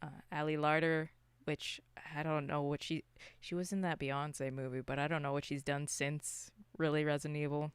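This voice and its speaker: A woman's voice: sits low, flat delivery, moderate pace, smooth, no room sound. A woman co-hosting a podcast, chatting casually about movies in a wry, informal, rambling way. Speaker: podcast co-host.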